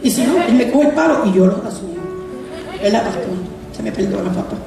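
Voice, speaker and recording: A woman's voice: medium pitch, a little fast. A woman pastor giving a testimony sermon, acting out her conversations with God. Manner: animated, acts out dialogue with God. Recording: echoey hall, distant mic, music.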